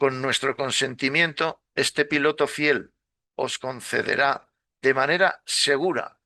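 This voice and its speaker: Bright and sharp in tone, a man speaks very slowly at a medium pitch, the sound dry and close with no echo. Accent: Spanish. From Spain. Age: 70s. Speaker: retired railway worker. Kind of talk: spiritual lecture presentation.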